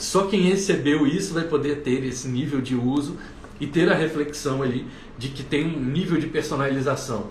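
With audible room echo and noticeable background noise, a man talks at a moderate pace in a fairly high voice. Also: ordinary pitch variation. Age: 40s. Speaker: business consultant. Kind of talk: live online class. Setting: livestream. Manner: animated.

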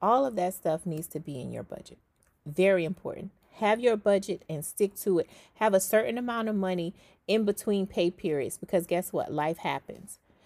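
At a moderate pace, an animated voice with ordinary pitch variation and big swings in loudness comes through dry and close with no echo. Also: woman, medium pitch for a woman. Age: 40s. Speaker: podcast host. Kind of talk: solo advice monologue.

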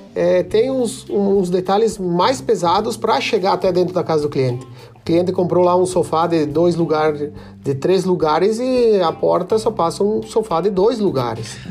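A man with lively intonation and a high pitch, moderate pace and very even loudness, with music in the background. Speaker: transport company co-owner. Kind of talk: casual interview.

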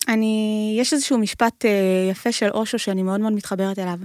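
Using a normal speaking voice, a woman talks at a fairly quick pace and fairly high pitch with fairly even intonation, in a very clean, dry, close recording with a silent background and no echo. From Israel, Yavne. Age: 30s. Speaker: real estate investor and lecturer. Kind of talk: interview.

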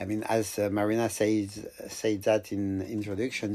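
A man with a French accent speaks very slowly at a fairly low pitch. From France. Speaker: sailboat captain. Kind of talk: casual interview. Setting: aboard a sailboat. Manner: halting.

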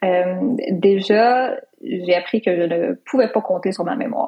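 A woman talks very slowly at a medium pitch with ordinary pitch variation. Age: 20s. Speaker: lawyer and entrepreneur. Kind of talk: interview.

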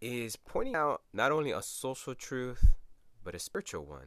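A man speaks at a moderate pace. It is a very clean recording with a silent background. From Portland, Oregon, US. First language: Spanish. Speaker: podcast host. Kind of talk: podcast monologue, personal storytelling. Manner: hesitant, many filler words, reflective.

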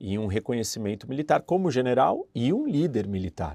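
Recorded dry and close with no echo on a very clean, silent background, a man with a Brazilian accent speaks at a moderate pace in a dark, mellow tone with very wide pitch swings. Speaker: history YouTuber and teacher. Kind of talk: history lecture.

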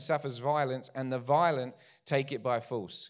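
A man speaks with an English accent in an animated tone. The recording is very clean, with a silent background. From England. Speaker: pastor. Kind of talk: sermon. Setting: church.

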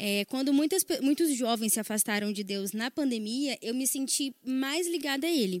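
A woman speaks at a high pitch and a moderate pace with lively intonation, in a dry, close sound with no echo. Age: 20s. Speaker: nursing student and church youth member. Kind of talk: casual religious chat.

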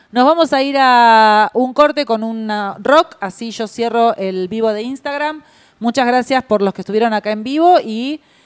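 With an ordinary speaking voice, a woman talks at a fairly slow pace, fairly high in pitch with lively intonation, in a dry, close sound with no echo. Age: 50s. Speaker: radio host. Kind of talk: radio talk show. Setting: radio studio.

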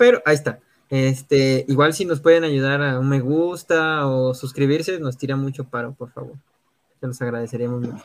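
A man speaks in a normal speaking voice at a moderate pace, with fairly high pitch. His intonation is fairly even, though his loudness swings widely. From Veracruz, Mexico. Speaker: podcast host. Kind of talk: casual chat.

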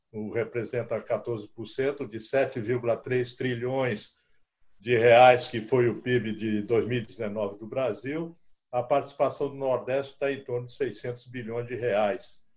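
Very slow and somewhat breathy, a man speaks at a medium pitch with fairly even intonation and big swings in loudness. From Porto Alegre, southern Brazil. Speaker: logistics engineer and lecturer. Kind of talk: casual interview.

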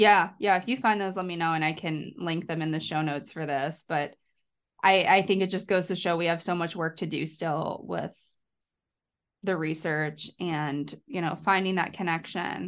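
Here is a plain, everyday voice from a woman with a fairly low pitch and fairly even intonation. She talks at a moderate pace against a quiet background. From Philadelphia, US. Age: 20s. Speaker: podcast host, dietitian. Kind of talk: casual interview chat.

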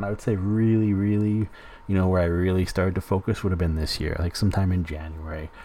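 A man speaks with a Canadian accent in a very deep, low pitch. His voice is somewhat breathy, with fairly even intonation. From Alberta, Canada. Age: 30s. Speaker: podcast host. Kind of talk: personal monologue. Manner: casual, conversational with fillers.

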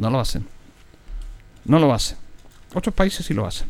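A man talks at a fairly quick pace. Music is heard in the background. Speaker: local radio host. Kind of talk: radio talk show. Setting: radio studio.

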